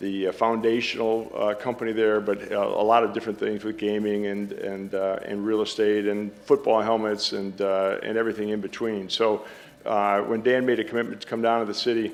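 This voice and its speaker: This man speaks with an American accent in a fairly low pitch. His intonation is monotone and flat, with hardly any pauses. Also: fairly quick pace. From Detroit, Michigan. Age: 60s. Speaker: business executive. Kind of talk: keynote speech. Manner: halting, many fillers.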